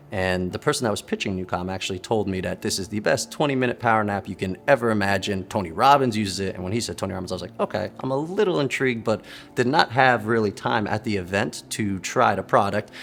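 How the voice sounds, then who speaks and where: With music in the background, a man speaks very fast with hardly any pauses, his fairly low pitch showing ordinary variation. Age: 30s. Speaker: wellness entrepreneur and biohacker. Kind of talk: testimony.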